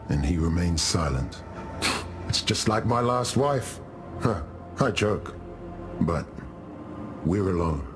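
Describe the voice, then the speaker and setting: A low-voiced, boastful tribal warlord. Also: male voice. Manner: jovial, teasing, storytelling. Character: boisterous, boastful male tribal warlord spirit, restored to his prime. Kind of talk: video game character dialogue. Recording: music under the voice.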